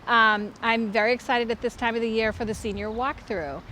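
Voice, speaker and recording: Woman school principal, slightly higher voice, enthusiastic, interviewed outdoors with light traffic behind. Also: fairly even intonation, fairly quick, sharp tone. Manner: enthusiastic, explaining step by step.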